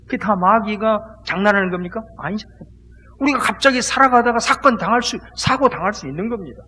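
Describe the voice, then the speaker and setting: A man preaches with a high, animated voice that leaps up and drops low, calling out loudly and then falling to hushed asides. His tone has a husky edge. The sermon rings in a hall with long reverb. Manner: emphatic preaching, leads the congregation in call-and-response repetition; swings between loud exclamations and hushed asides. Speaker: pastor.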